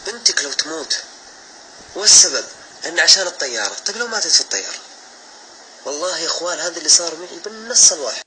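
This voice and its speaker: A man's voice: on the high side, sing-song, rapid-fire, pauses often, bright, forceful tone, a little hiss or hum, low-quality recording. A man tells a personal anecdote to his followers in a casual, emphatic way, swearing oaths constantly. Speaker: social media storyteller.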